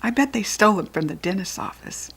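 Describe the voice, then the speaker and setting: A friendly young girl chats cheerfully and reassures others, as a woman reads her lines. Her voice is soft and a little breathy. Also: mid-range voice, animated, a little fast, full character voice. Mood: reassuring.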